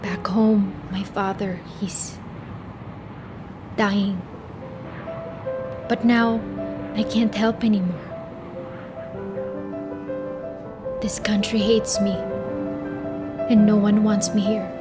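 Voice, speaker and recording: Actress as sorrowful immigrant woman, grave, very slow delivery, film trailer monologue, music behind. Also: medium pitch, fairly even intonation, natural voice. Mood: resigned. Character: sorrowful, selfless immigrant woman far from her family.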